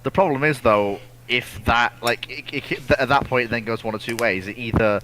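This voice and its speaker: A man's voice: mid-range voice, fairly quick, noisy background. A man co-hosting a casual history discussion, reading out and answering viewer questions, often repeating words and restarting phrases.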